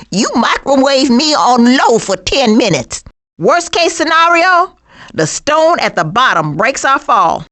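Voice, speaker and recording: A woman's voice: high voice, a bit bright, exaggerated voice. A woman voicing a sassy, streetwise female skunk with an American accent and slangy, emphatic delivery for a cartoon video game. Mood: wry, sassy. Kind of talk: animated video game voice lines.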